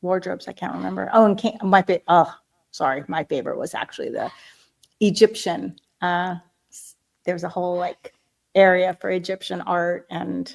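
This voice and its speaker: A woman with an American accent at a moderate pace, with long, frequent pauses and big swings in loudness, in a very clean recording with a silent background and a dry, close sound with no echo. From Los Angeles, California. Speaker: entrepreneur. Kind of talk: casual interview chat. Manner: halting, many fillers and restarts.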